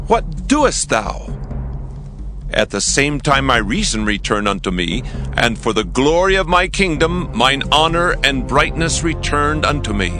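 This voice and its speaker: A man's voice: a little high, bright, forceful tone. An actor playing an exalted king of Babylon in a dramatized scripture recording, declaiming in a grand, regal manner. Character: proud, exalted king of Babylon, boastful then reverent. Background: faint music.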